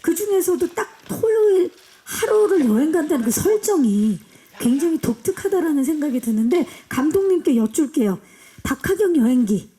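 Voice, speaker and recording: A woman's voice: high-pitched, very animated, normal speed, dark tone. A woman hosting a press screening, cheerfully guiding guests through photo poses and introductions. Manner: upbeat, directing photo poses. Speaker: event host. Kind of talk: press event emcee.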